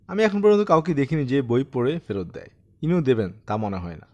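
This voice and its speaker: A man narrating a literary short story as an audiobook, in an expressive storytelling manner. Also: mid-range voice, fairly quick, dull audio.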